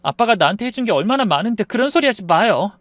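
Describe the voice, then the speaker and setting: A man's voice: high-pitched, sing-song, fast, fairly bright tone, no room sound, voice pushed up. A man voicing a hurt young wife who pleads with her father and argues back at her husband in a raised voice. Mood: pleading. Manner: pleading, indignant.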